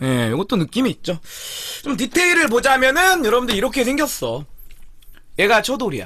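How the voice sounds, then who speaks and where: Against a quiet background, a man with an extremely high, bright and sharp voice projects loudly and speaks fairly quickly with an animated tone, very wide pitch swings, and long, frequent pauses. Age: 30s. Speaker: mukbang streamer. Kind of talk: casual livestream eating show. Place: home room. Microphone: studio mic.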